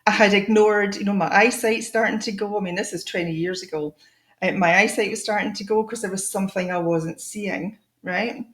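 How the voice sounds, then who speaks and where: A middle-aged woman with a Scottish accent speaks as an interview guest, her voice at a middling pitch. She talks reflectively, with ums and small restarts, and her voice carries a roomy echo. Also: fairly even intonation, brisk, fairly bright tone. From Scotland. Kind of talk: conversational interview.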